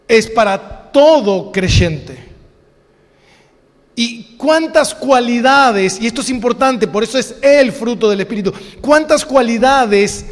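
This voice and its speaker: High-voiced, slow-preaching Argentine pastor. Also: male voice, long reverb tail. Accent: Argentine Spanish. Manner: slow, emphatic preaching with rhetorical questions and repetition. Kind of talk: sermon. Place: church hall.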